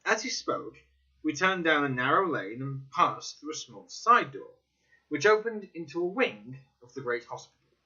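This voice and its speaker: A man's voice: fairly high pitch, sing-song, moderate pace, pushed and bright. A man reading a story aloud as narrator, in a dramatic scripted style. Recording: dull lo-fi recording.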